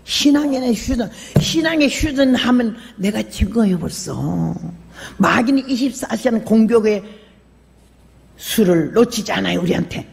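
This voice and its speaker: Older lady preacher, gravelly, animated storytelling sermon, long echo like a big church hall. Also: a little high, moderate pace. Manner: animated storyteller, acts out quoted voices, bursts into shouts. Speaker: missionary preacher.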